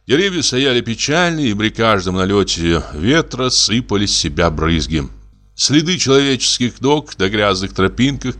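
Expressive male storybook narrator. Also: fairly low pitch. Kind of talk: literary audiobook narration.

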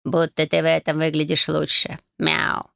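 A woman voicing a wise, grumpy magic tomcat who lectures slowly, drawing out his words and purring and meowing between them. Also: sits low, completely flat delivery, vocal fry, a bit bright, no echo, studio quality, exaggerated voice. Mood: scornful. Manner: slow, drawn-out, lecturing, purrs and meows. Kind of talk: audiobook character voice.

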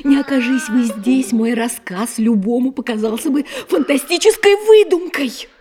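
A woman's voice: sits high, expressive, moderate pace, darkish tone, husky, faint music behind. An actress in an audio play voicing a trusting, grateful young lady caught up in intrigue, with theatrical delivery. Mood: relieved. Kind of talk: theatrical audio drama acting.

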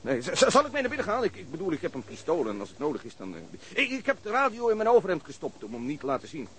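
Radio play: a man voicing a bumbling young constable who stammers, talks fast and pitches high, with faint noise behind. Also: wildly swooping pitch, fairly bright tone. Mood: flustered. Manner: stammering, repeats words. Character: nervous, bumbling young male police constable.

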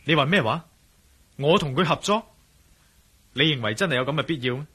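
An actor voicing a calm, curious male investigator in a Cantonese radio drama, speaking in a measured, musing way. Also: on the high side, slightly rough, exaggerated voice. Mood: conversational. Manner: musing inner monologue, measured. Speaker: lead character.

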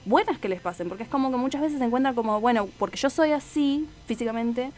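A woman hosts a radio show, chatting casually about a TV series with many fillers and self-corrections. Her voice is a little high and a little mellow, and she talks fast.

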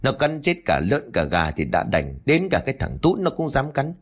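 A man's voice: medium pitch, wildly swooping pitch, moderate pace. A man voicing a cursing old grandfather. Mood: angry. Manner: cursing, blunt. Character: angry old grandfather, gruff and scolding.

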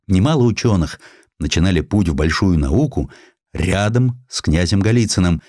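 Male narrator, low-pitched, animated melody, dry studio sound, literary historical storytelling, expressive delivery. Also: moderate pace, no room sound. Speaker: audiobook narrator.

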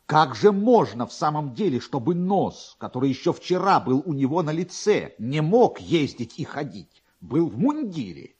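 A man narrating a literary story in a theatrical, expressive manner. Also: fairly high pitch, normal speed, hardly any pauses, breathy edge.

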